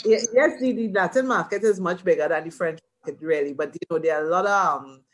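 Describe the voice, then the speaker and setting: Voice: medium pitch, fast talker. A podcast co-host chatting casually and easily with a guest. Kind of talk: casual interview chat.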